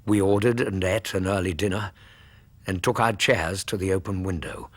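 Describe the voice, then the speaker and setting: An actor playing a loyal, earnest doctor who also narrates a radio drama. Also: male voice, low voice, fairly even intonation, moderate pace, no room sound.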